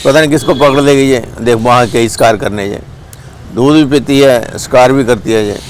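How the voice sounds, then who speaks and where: A man's voice: medium pitch, moderate pace, slight background noise. A man with a Punjabi accent from Punjab, India, giving a blunt, scolding monologue outdoors. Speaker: vlogger. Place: outdoors with birds and a cat nearby.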